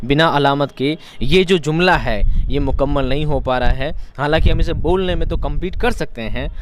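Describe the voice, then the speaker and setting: A man teaching an exam-prep lesson, explaining each point by repeating it in other words and asking rhetorical questions. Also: fairly high pitch.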